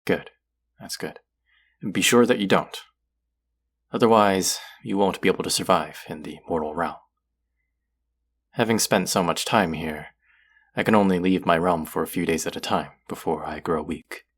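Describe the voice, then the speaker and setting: A man playing an aloof, lonely lord of the underworld who is secretly soft, speaking formally and wryly to the listener in an intimate audio roleplay. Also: sits low, normal speed, pauses often, breathy edge. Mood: cautioning, guarded. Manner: formal, wry, guarded, addressing the listener directly.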